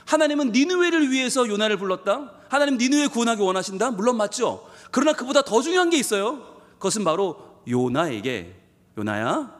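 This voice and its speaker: A man, a pastor, preaching a Sunday sermon with emphatic delivery, acting out a prophet's complaints. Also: big-room sound. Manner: emphatic preaching, voicing Jonah's complaints with rising pitch. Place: church sanctuary.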